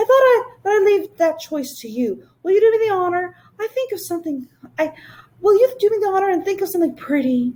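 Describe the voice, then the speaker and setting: Putting on a character voice, a woman squeaks at an extremely high pitch and a fairly quick pace. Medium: read story. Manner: affectionate, exuberant.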